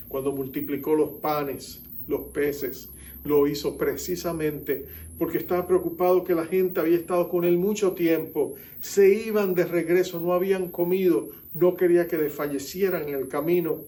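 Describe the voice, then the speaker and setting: A man preaching a sermon as pastor, with dramatic pauses and hushed quoted lines. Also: on the high side, distant mic, slight background noise.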